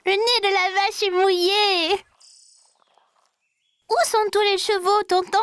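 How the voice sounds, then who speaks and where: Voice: extremely high pitch, level tone, slow pace, fairly bright tone, no echo, full character voice. An actor voicing a cheerful, curious preschool boy in a children's cartoon dub, with simple, wide-eyed childlike phrasing. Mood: excited, delighted.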